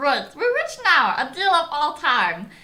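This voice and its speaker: A woman uses a put-on character voice pitched high. She speaks at a fairly slow pace with very wide pitch swings. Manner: enthusiastic, gleeful.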